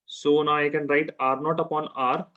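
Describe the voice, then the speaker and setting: A man with a South Asian accent teaches chemistry informally to a single student, repeating phrases and checking understanding with frequent questions. His slightly high voice is flat, pushed and bright, at a moderate pace, and the recording's highs are cut off.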